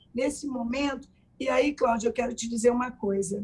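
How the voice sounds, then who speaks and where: Her pitch high, a woman speaks at a moderate pace. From Brazil, São Paulo interior then Maranhão; Brazil. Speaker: president of a women's charity institute; interview guest. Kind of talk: TV interview. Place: home room. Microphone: video call.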